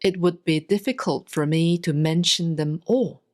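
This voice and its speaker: A woman reads a Buddhist sutra aloud in a solemn, scripted style, with measured, deliberate enunciation and long pauses. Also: on the low side. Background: instrumental music.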